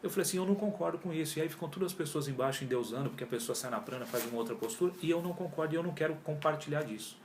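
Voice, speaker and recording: A fairly high-pitched man talks very fast with few pauses against a noisy background. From Brazil and in his 40s, this yoga teacher guests in a casual interview, animatedly telling his story, acting out his old dialogue, and using lots of slang. The recording comes from an echoey room with faint ambience.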